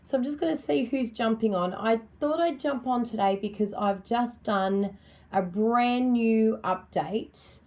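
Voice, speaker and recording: A middle-aged Australian woman with a slightly croaky voice, chatting upbeat and friendly through a live card-making tutorial and greeting viewers by name. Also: a little high, measured pace, darkish tone. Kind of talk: live-stream tutorial chat.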